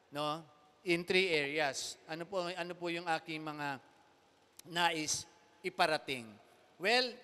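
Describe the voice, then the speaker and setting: A Filipino man preaching from the pulpit in a high, bright voice, slow and deliberate. He leans on rhetorical questions and rises to loud emphasis. His voice rings with the long reverb of a church hall. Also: clean tone. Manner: mixes English into Tagalog, rhetorical questions, rising to loud emphasis. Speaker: pastor. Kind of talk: sermon.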